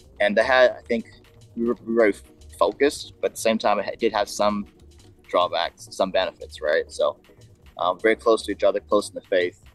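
This man talks at a fairly quick pace. The sound is dry with no echo, and faint music plays in the background. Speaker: remote guest. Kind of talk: interview answer. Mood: calm, reflective testimony. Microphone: video call.

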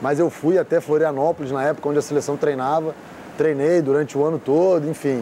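With light background noise behind him, a man speaks at a fairly high pitch in fairly even intonation. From Niterói, Rio de Janeiro, Brazil; Rio de Janeiro, Brazil. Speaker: handball player. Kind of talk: interview testimony. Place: open country. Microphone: lapel.

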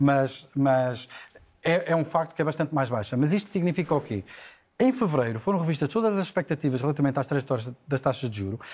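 A man's somewhat breathy, fairly high-pitched voice at a very fast pace, with lively intonation. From Portugal. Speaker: economist; economics commentator. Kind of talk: TV news analysis. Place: studio. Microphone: lapel.

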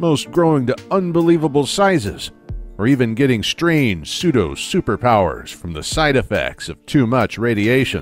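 A man at medium pitch with very wide pitch swings and a moderate pace, with music in the background. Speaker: narrator, guest storyteller. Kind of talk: documentary narration.

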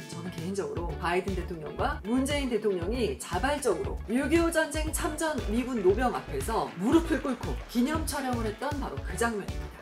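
An upbeat, energetic voice runs on with hardly any pauses over clear music in the background. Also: woman, moderate pace. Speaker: policy fact-check show host / announcer. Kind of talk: upbeat explanatory policy narration to camera. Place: home room.

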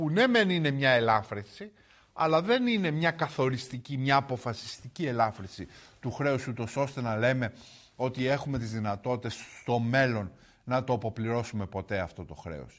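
Over a quiet background, a man with a medium pitch speaks at a moderate pace using lively intonation. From Greece, Athens (Vyronas); Greece. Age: 50s. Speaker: journalist, TV commentator. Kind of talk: solo political commentary monologue. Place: studio.

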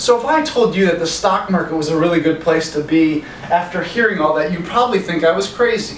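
Delivered at a fairly quick pace with hardly any pauses and ordinary pitch variation, the speech carries audible room echo and light background noise. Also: man, high pitch for a man. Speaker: financial advisor. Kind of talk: educational talk to camera. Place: office.

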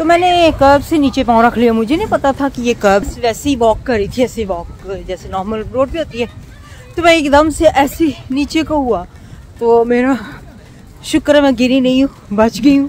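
Over crowd noise in the background, the voice moves at a moderate pace in a dry sound with no echo. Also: woman, high pitch for a woman. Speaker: vlogger. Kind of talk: casual vlog chat. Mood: shaken after near fall. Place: street. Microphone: phone near.

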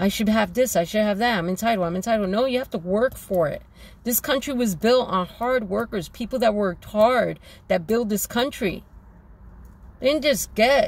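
Animated and somewhat breathy, a woman with a fairly high pitch speaks at a moderate pace with ordinary pitch variation, the sound dry with no echo. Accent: American. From New York City (Bronx). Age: 50s. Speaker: homemaker video blogger. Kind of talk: casual vlog monologue. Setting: in a car. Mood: earnest, somewhat emotional. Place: car. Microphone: phone near.

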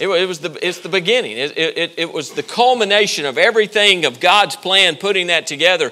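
A man talks at a fairly quick pace in a raised, projected voice. His pitch varies in an ordinary way. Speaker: pastor. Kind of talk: sermon. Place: church.

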